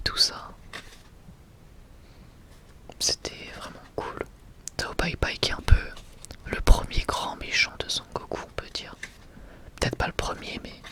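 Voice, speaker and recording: A person whispering softly and casually in an unscripted, hesitant ASMR presentation. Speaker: ASMR video creator presenting a manga collection.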